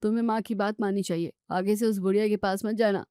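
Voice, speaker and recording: A woman's voice: mid-range voice, fairly even intonation, quick pace, mellow, clean tone, dry recording, clean studio sound, close to an everyday voice. A woman voicing an easygoing young husband who soothes and mildly scolds. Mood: reproachful.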